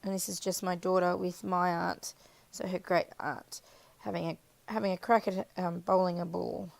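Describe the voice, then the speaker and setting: Woman, casual craft-tutorial voiceover, scratchy and husky, rambling, dry close mic. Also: lowish voice, level tone, normal speed, dry recording. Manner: chatty, rambling, self-correcting. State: croaky, scratchy voice. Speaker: craft video maker. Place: voiceover recorded apart from the footage.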